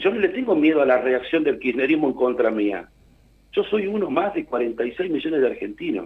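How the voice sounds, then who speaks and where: A man talks at a moderate pace in a fairly high voice, his pitch swinging very widely up and down. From Argentina. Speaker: political analyst. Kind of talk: political commentary.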